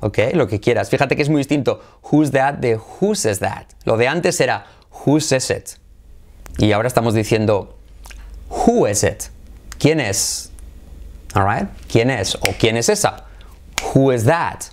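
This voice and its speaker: Slow-paced man drilling English phrases. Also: medium pitch. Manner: drills phrases slowly, then repeats with lively intonation. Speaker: English teacher. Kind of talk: online English lesson.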